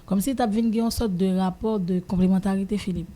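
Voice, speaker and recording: A woman with a Haitian accent giving her opinion in a casual radio discussion, haltingly, often repeating phrases as she searches for words. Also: mid-range voice, steady tone, mellow.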